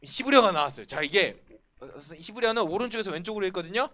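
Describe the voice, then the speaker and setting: A man preaching to a church youth group, animated and often asking the students questions. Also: high voice, quick pace. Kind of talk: sermon. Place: church worship room.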